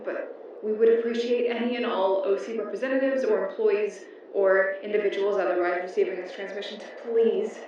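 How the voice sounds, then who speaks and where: A woman's voice: mid-range voice, lightly acted. A woman playing an earnest, weary stranded space explorer recording a formal log in a science fiction audio drama. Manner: formal, wordy. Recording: echoey, distant, noisy ambience.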